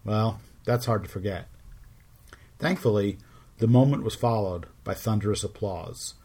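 Low-voiced man narrating a podcast. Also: mellow, slightly rough. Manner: measured storytelling, wry asides. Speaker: podcast host. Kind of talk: scripted narration.

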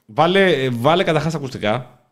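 A man co-hosts a satirical talk show. His voice sits fairly high and swings up and down a lot, and he rambles through mock-patriotic bits. The talk is casual and joking. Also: expressive. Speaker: podcast co-host.

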